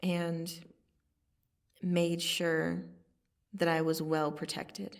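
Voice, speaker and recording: Slow, creaky female vampire assassin, acted by a woman. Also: lowish voice, flat delivery, distant mic. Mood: wistful. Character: female vampire assassin, menacing yet softening, wistful. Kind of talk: ASMR roleplay, scripted dramatic monologue.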